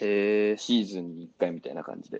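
Moderate pacing from a man with a fairly low pitch. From Tokyo, outer 23 wards. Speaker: podcast co-host. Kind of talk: casual chat.

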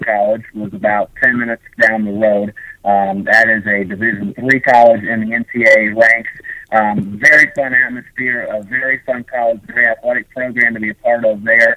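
A man with an American accent and a medium pitch talks at a moderate pace over noticeable background noise. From Indiana. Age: 20s. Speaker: play-by-play broadcaster. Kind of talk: interview.

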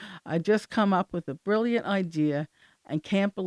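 Against a quiet background, someone reads aloud plainly with ordinary pitch variation.

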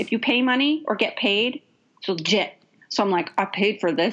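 A woman's fairly high, normal speaking voice with an American accent at a fairly quick pace. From Northern California. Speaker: screenwriter and story consultant. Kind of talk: casual interview.

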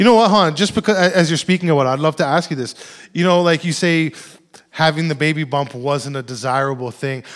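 His pitch runs fairly high for a man. He talks at a fairly quick pace. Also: ordinary pitch variation. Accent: Toronto. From Toronto, Rexdale. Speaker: podcast host and moderator. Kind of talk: interview on stage. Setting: stage with audience.

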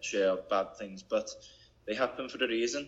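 Speaking at a moderate pace, a man talks in a Welsh accent. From Wales. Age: 30s. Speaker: professional footballer. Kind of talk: podcast interview.

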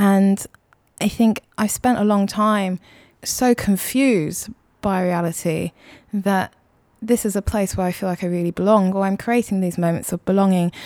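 Speaking with a London accent, a woman uses a medium pitch and fairly even intonation at a moderate pace. The recording is very clean, with a silent background. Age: 20s. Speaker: painter. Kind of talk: interview. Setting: artist's studio.

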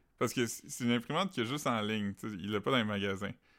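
The speaker has a Quebec accent. The intonation stays fairly even throughout. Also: man. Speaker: podcast co-host. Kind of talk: casual chat.

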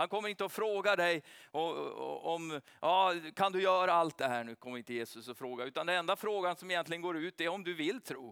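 With lively intonation, a man talks at a fairly quick pace in a high pitch. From Sweden, Ödsbyn (rural inland). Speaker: preacher. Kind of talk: sermon. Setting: conference hall with audience.

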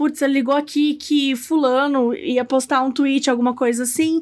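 At a moderate pace, a woman delivers her words in a high pitch. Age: 30s. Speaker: podcaster. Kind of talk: casual chat.

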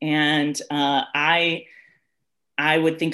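A woman speaks with an American accent at a very deep, low pitch. The background is quiet. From Southeast Michigan, metro Detroit. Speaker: pastor. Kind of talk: casual Bible study discussion. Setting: video call.

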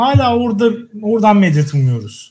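His pitch swings very widely as this man speaks. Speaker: podcast co-host. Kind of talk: casual chat. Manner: animated, laughing often.

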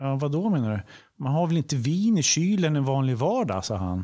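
In a very clean recording with a silent background, a man with a fairly high pitch and dark, mellow tone talks at a fairly quick pace with very wide pitch swings. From Sweden, Gävle. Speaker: orchestra musician, podcast co-host. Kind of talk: casual chat.

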